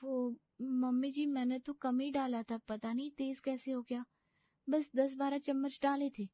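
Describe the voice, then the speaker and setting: A woman voicing a clueless, pampered young bride who speaks softly and nervously in a cartoon. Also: high-pitched, level tone, measured pace, no echo, pitched above the performer's own voice. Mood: naive. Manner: nervous, naive, soft. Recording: dull lo-fi dry recording.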